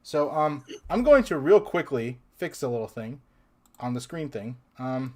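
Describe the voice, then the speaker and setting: A man's voice: mid-range voice, lively intonation, a little slow, darkish tone. A man hosting a live online panel in a loose, chatty way, often restarting his sentences. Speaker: livestream host.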